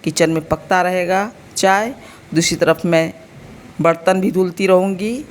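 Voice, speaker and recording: Speaking in a lowish voice, a little slowly, an Indian woman in her thirties chats her way through a casual home vlog. She has an Uttar Pradesh Hindi accent and a slightly sore throat, addresses her viewers directly and explains as she goes.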